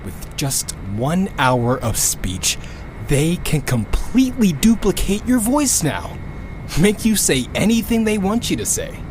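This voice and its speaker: A man playing a weary, wry survivor recording a personal log in a sci-fi audio drama, halting, conversational and sardonic. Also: high-pitched, sing-song, a little hiss or hum, poor audio.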